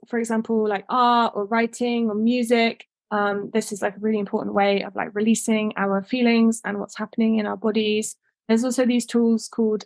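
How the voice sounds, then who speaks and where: A woman's voice: medium pitch, no echo. Woman herbalist presenting a webinar; casual, rambling delivery full of fillers, mid-range voice, dry close sound. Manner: casual, filler-heavy with frequent "like" and "um". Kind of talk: informal webinar talk. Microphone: video call microphone.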